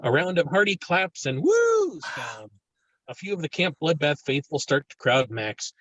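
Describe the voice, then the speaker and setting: Slightly husky man narrating a screenplay. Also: a little high, wildly swooping pitch, a little slow, a bit bright, no echo, muffled recording. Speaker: stage directions reader.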